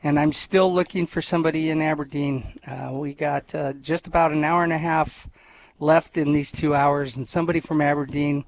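A man's voice: fairly high pitch, steady tone, normal speed, creaky. Friendly chuckling male radio host. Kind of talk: casual radio fundraising chat.

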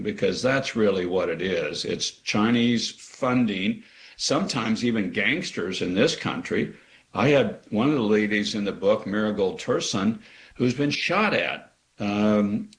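A man from Kansas, an author answering interview questions in an earnest way that turns emphatic. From Kansas, USA. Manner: earnest, grows emphatic with sharp pitch rises. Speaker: author guest.

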